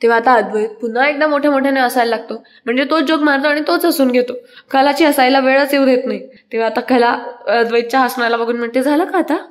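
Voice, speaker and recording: A woman's voice: sits high, steady tone, fast, hardly any pauses. A woman narrating a casual recap of a TV serial episode, chatty and linking each quote with "then she says".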